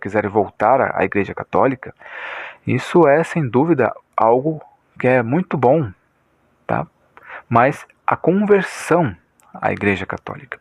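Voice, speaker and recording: A man's voice: medium pitch, no room sound. A Brazilian man giving informal religious commentary in a didactic, repetitive way, often checking that listeners follow.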